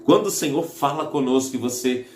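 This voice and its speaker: A man's voice: mid-range voice, a little fast. A man with a Brazilian Portuguese accent preaching a sermon in a church, earnest, often rephrasing mid-sentence and calling his listeners brothers. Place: church hall. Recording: echoey church hall with faint music.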